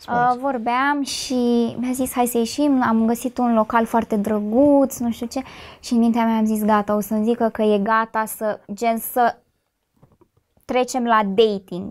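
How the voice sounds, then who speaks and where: A woman's fairly high voice at a fairly slow pace, monotone and flat in intonation. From Romania, Bucharest. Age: 20s. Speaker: addiction ministry worker; podcast guest. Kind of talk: testimony. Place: studio.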